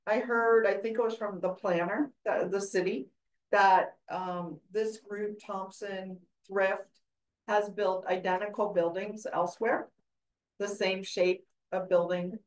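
A woman leading a neighborhood board meeting, speaking in a measured way with frequent hedges. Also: medium pitch, steady tone, slight background noise. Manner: measured, hedging with "I think". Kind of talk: public meeting discussion. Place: meeting room. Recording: roomy hall mic from far off.

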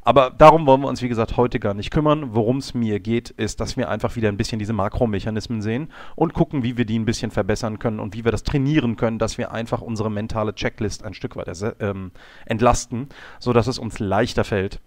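A slightly hoarse man with a lowish voice talks through a game replay as a coach, calm and explanatory. He stops on fillers now and then and corrects his own words. The sound is close and dry. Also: quick pace, no room sound. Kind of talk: instructional commentary over a game replay.

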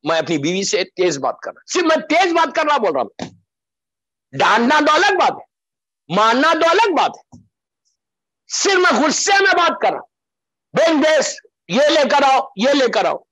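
A man's voice: very high-pitched, very animated, normal speed, long pauses, pushed and bright, no echo, rough recording. A man preaching a Muharram majlis sermon to a gathering broadcast live, pleading and impassioned, repeating phrases for emphasis and slipping in English phrases. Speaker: Shia preacher.

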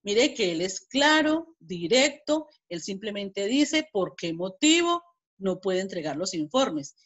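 A woman's voice: mid-range voice, sing-song, slow pace, fairly bright tone. A woman with a Colombian Spanish accent teaching an online class, explaining step by step with frequent restarts and repeated words. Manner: reads example dialogues aloud with emphasis.

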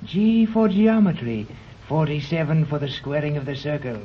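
A man's voice: a little high, normal speed, slight background noise, lightly acted. A man playing a haughty island mathematician. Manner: lofty, clipped, laughs mockingly. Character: haughty male island mathematician, mysterious and aloof. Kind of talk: 1930s radio drama acting. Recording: dull old 1930s radio recording.

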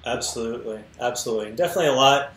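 Rapid-fire and fairly bright, a medium-pitched male voice belongs to a fitness podcast co-host in his thirties who's earnest and casually profane. He's calling in by video on an earbud mic from an indoor home room with bookshelves, and the space echoes.

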